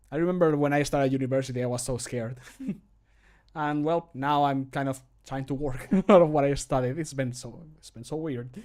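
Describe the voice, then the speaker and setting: Streaming from a desk microphone in a small closed room at home, a man in his thirties who makes mods chats loosely with his audience. His voice sits on the high side with a darkish tone, and he wanders easily between topics.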